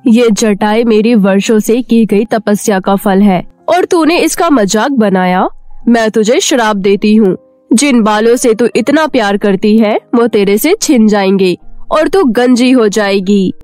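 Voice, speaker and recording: A woman plays an indignant female ascetic in a cartoon fairy tale, ready to curse. The voice is fairly high and dry, solemn and scolding, with faint music underneath. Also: unhurried, a little mellow, no room sound, natural voice. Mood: wrathful. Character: stern, offended female ascetic who lays curses. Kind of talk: cartoon moral-story character voice.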